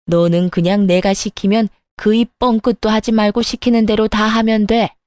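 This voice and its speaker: A woman's voice: mid-range voice, steady tone, normal speed, darkish tone, clear, resonant tone, no echo, clean studio sound, natural voice. A woman voicing a domineering older mother-in-law in an audio drama, speaking with harsh, contemptuous scolding. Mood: indignant scolding.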